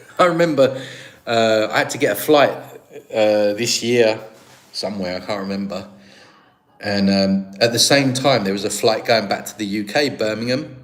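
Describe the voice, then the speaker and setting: With noticeable background noise, a man talks at a moderate pace, his pitch fairly low with ordinary variation. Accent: British. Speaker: live streamer answering chat questions; past life regression practitioner.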